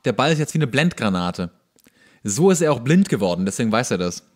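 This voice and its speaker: A man with a medium-pitched voice comments casually on a show he is watching. He sounds like a podcast host riffing with a friend, dry and mock-serious in his jokes. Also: sing-song, fairly quick, darkish tone.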